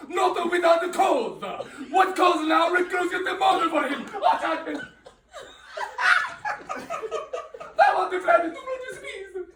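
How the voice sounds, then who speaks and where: A man playing an emotional comic foreign funeral orator, halting and melodramatic, in a Shakespeare monologue with broken phrasing. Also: very high voice, a bit bright, slight background noise. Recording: roomy sound, far from microphone.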